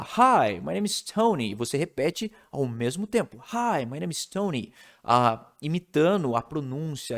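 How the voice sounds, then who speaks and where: A man from Brazil gives a casual video lesson on how to learn English. He explains it step by step and keeps checking in with the listener. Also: mid-range voice. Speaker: English teacher.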